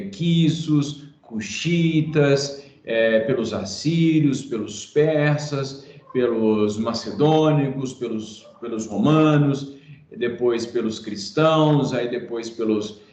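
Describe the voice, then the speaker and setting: A man's voice: medium pitch, slow, darkish tone. Man teaching history in a roomy, muffled room. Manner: explanatory, playful asides to students. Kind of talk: online class lecture.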